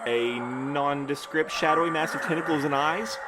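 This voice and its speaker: An actor playing a timid, fussy courier with formal, fretful diction in an audio drama. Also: male voice, fairly high pitch, normal speed, very noisy, close to an everyday voice. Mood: flustered. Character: nervous, fussy, bookish man, a timid courier.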